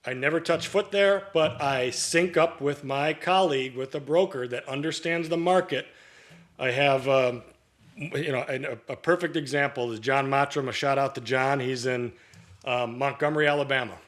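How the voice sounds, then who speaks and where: A man talking casually as a guest on a podcast, a real estate broker. He rambles through his answers, starting sentences over and winding through anecdotes. His voice sits at an ordinary middle pitch. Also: normal speed, fairly bright tone. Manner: long-winded, storytelling, with many restarts.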